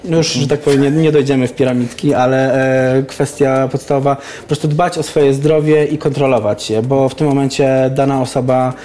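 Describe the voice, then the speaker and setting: Mellow, even-toned man explaining carefully. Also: mid-range voice, fairly quick, few pauses. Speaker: interview guest, campaign activist. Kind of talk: informal explanatory interview talk.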